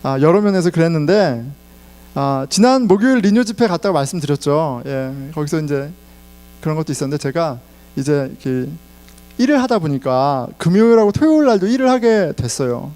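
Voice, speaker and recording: A man's voice: on the high side, expressive, fairly quick, a little mellow. A middle-aged man preaching a sermon in Korean, telling personal stories and laughing along the way. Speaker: pastor.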